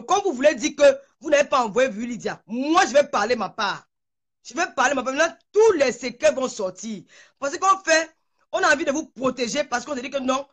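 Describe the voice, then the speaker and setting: A woman in a heated online video rant, furious and shaking with anger, hurling insults and stammering over repeated words. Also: high-pitched. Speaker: social media personality.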